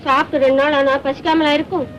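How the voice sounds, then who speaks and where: An actress playing a naive young village wife, speaking in an innocent, plaintive way, on an old film soundtrack with faint music. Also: female voice, high voice, flat delivery, fast, muffled recording, slight background noise, natural voice. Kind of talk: 1960s film acting.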